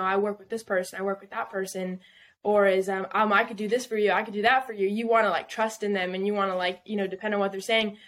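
A young woman from Southern California, a singer-songwriter guest on a podcast, talking casually with lots of fillers and laughs. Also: medium pitch. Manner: chatty, filler-heavy, laughs often.

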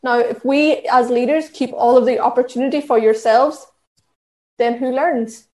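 An Irish woman with a fairly high voice speaks earnestly, teaching in an instructive, steady way, often restarting her sentences and adding fillers. Her voice rings in an echoey room. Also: normal speed. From Ireland. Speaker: diversity and inclusion trainer. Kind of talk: talk at an online session.

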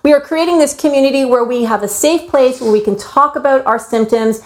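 A woman of about fifty leads a panel talk in an upbeat, friendly way. Her voice sits fairly high, and she laughs easily between questions. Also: fairly quick. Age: 50s. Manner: upbeat, warm hostess, laughs often. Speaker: host, co-founder. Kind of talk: hosting a panel discussion.

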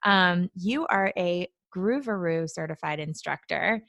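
A woman's voice: lowish voice, a little slow, gravelly, fairly bright tone. A woman hosting a parenting podcast, reading an upbeat intro and then chatting with her guest. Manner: upbeat and friendly, scripted intro. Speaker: podcast host.

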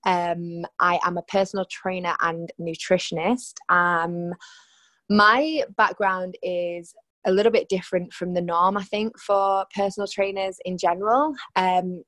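Manchester girl in her 20s on a podcast call, lowish voice, dry sound, just chatting her story. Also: steady tone, unhurried, a bit bright, dry recording. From Manchester, England. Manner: chatty, candid storytelling with fillers. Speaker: guest, personal trainer and nutritionist. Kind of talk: podcast interview. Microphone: remote call.

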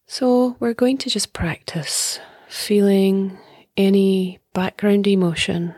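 A woman meditation teacher leading a guided meditation in a soft, breathy voice that often drops near a whisper, calm, soothing and unhurried. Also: mid-range voice, no echo, studio quality.

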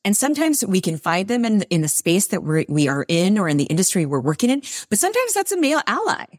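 A woman's voice: medium pitch, big pitch swings, fast talker, a little mellow, no echo, studio quality. A woman in her forties, a guest on an interview podcast, talking in an upbeat, encouraging way. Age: 40s.

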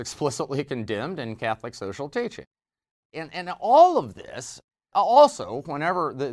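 A man's voice: mid-range voice, a bit bright. A man delivering spoken news commentary, emphatic and stopping to repeat words as he rephrases.

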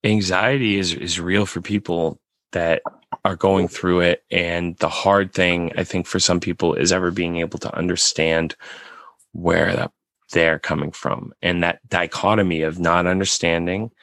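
A man with a raspy voice, hosting a casual podcast chat and rambling with many restarts. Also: low voice, flat delivery, measured pace, a bit bright, dry recording.

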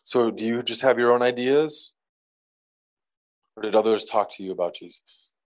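A man's voice: mid-range voice, normal speed, rough recording. A man preaching a casual, conversational sermon to a congregation, reading scripture aloud and adding light jokes. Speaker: pastor.

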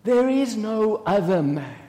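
A man's voice: extremely high pitch, big pitch swings, measured pace, darkish tone, pitched above the performer's own voice, full character voice. A man voicing an earnest teenage girl who protests and insists emphatically in a dramatic Bible story. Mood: pleading. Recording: long echoing hall reverb.

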